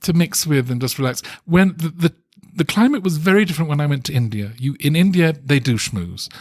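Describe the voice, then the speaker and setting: A man being interviewed as a guest critic, telling stories in a thoughtful, animated way with frequent hesitations and restarts. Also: on the high side, a little fast, dry recording, clean studio sound. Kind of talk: relaxed conversational interview.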